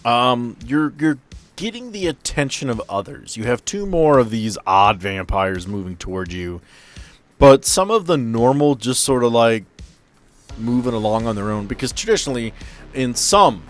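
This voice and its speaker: A man's voice: medium pitch, expressive, moderate pace, soft background music. Man narrating a tabletop horror game. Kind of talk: improvised game narration and rulings.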